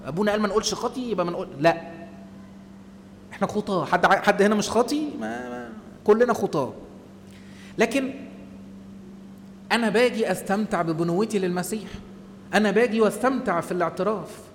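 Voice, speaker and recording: An Egyptian man gives a lively church talk to a gathered group, slipping into the voices of people talking to themselves. His voice sits high and moves fast. The recording has a long hall echo with faint noise underneath. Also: vocal fry. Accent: Egyptian Arabic. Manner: animated, acts out inner voices. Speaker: church speaker.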